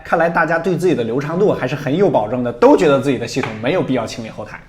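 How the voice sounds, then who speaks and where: Male tech review host: brisk, lively-pitched scripted narrator with a playful, wry edge. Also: soft background music.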